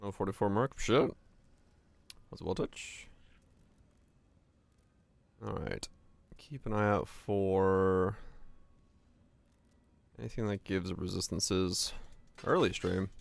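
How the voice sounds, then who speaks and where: A man with a raspy voice giving loose, profane live commentary as a game streamer and answering chat offhand. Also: sits low, slow, long pauses, no room sound. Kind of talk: casual live gameplay commentary.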